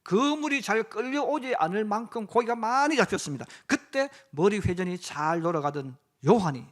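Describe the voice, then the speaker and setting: Middle-aged pastor guy preaching, high voice, acts out the quotes. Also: lively intonation, moderate pace. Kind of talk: sermon.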